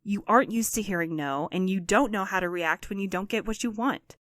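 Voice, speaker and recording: A woman's voice: mid-range voice, a little fast, fairly bright tone, no room sound, clean studio sound, lightly acted. A woman in an audio drama playing a bitter, guarded courier, hurt and sarcastic. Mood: bitter, scornful. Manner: sarcastic, cutting.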